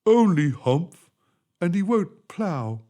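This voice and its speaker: A man voicing a heavy, plodding, plaintive ox in a storybook, with drawn-out, laboured words. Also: high-pitched, big pitch swings, mellow, voice pushed up, full character voice. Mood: slow complaint.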